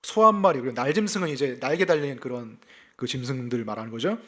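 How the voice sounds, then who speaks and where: A man's voice: medium pitch, fast talker. A male pastor from South Gyeongsang delivering an expository sermon, explaining scripture and telling personal stories, often asking his listeners rhetorical questions. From South Gyeongsang, South Korea. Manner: lively expository preaching with personal anecdotes; asks the congregation rhetorical questions.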